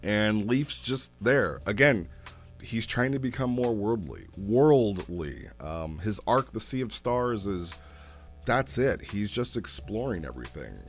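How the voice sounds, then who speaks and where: A man giving casual, amused commentary as a host retelling roleplay stories in a halting way. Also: lowish voice, lively intonation, soft background music. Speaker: host reviewing online roleplay sessions.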